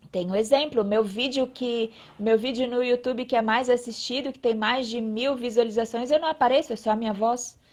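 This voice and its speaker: Against a quiet background, a woman with a high pitch talks at a moderate pace, with hardly any pauses. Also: fairly even intonation. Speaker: pharmacist and coach. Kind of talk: live interview. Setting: online live stream.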